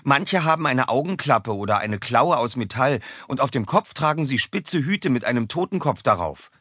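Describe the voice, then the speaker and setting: A man's voice: mid-range voice, expressive, moderate pace, a bit bright, slightly rough, no room sound, studio quality, voice pushed up. A man voicing a young male cat schoolboy who talks earnestly in an audiobook for children. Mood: storytelling. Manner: earnest, eager. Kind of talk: audiobook character voice.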